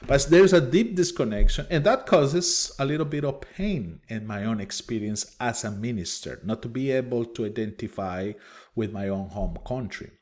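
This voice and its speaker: A man's voice: medium pitch, expressive, moderate pace, a little mellow. A man from Colombia with a thick Spanish accent, a minister giving a recorded lecture from his office in an earnest way, with many fillers and restarts. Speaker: minister and teacher.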